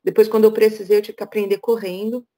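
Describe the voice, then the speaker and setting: A woman's voice: mid-range voice, level tone, fast talker, warm tone. A middle-aged woman from Brazil, speaking as a guest speaker over a video call, frank and chatty. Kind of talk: casual talk on a video call.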